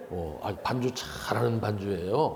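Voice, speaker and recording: Through noticeable background noise and audible room echo, a man talks at a fairly slow pace. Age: 70s. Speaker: retired pastor, guest preacher. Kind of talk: sermon. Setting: church service. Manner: animated.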